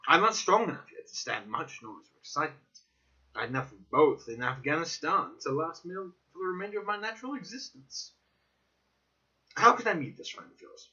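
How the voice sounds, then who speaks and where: Inquisitive gentleman army doctor, voiced by a male reader, formal and questioning, crisp forceful tone, lo-fi recording. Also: a little high, lively intonation, brisk. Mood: reserved. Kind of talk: dramatic audiobook reading. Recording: dull lo-fi recording.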